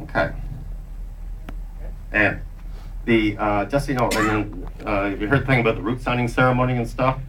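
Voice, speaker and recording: A man's voice: on the low side, steady tone, moderate pace, long pauses, a bit bright. An older man hosting a live demonstration in a jokey, off-the-cuff explanatory style. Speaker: presenter hosting a staged demonstration. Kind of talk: informal live explanatory narration. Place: conference meeting room with an audience. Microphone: handheld mic, picked up by far camera. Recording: distant, noisy room camera pickup.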